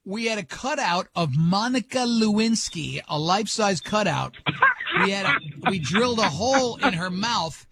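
High-voiced joking radio host man. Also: lively intonation, creaky, heavy background noise. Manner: fast, teasing, jokey. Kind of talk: morning radio banter and quiz hosting. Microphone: studio microphone.

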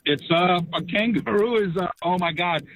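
Man from Montreal, older, high-pitched, easygoing, slightly muffled radio sound. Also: normal speed, no echo. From Montreal, Canada. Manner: easygoing, laughs along. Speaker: radio co-host and quiz contestant. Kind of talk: casual radio banter.

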